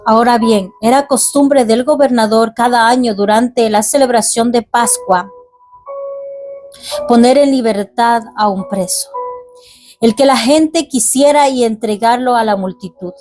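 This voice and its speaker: A woman reads a scripture passage aloud, then turns to her own earnest, halting reflections on it. Her voice is fairly high and mellow, and soft music plays faintly behind her. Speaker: ministry teacher. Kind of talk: reading scripture and preaching.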